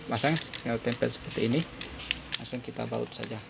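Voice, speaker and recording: A man's voice: mid-range voice, brisk, vocal fry, heavy background noise. A man narrates a hands-on repair tutorial, explaining step by step and repeating his points. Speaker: phone repair tutorial presenter.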